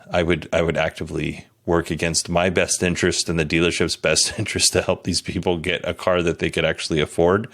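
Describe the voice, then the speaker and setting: A man's voice: low voice, a bit bright. A man hosting a podcast, giving casual, conversational news commentary in a candid, self-deprecating way. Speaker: podcast host.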